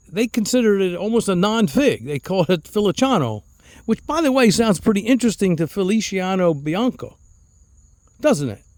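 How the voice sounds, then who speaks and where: Man hosting a casual outdoor vlog: rambling, chuckling, higher voice, dry close sound. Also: a little mellow, dry recording. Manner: chuckling, rambling, repeats words. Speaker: fig grower and channel host.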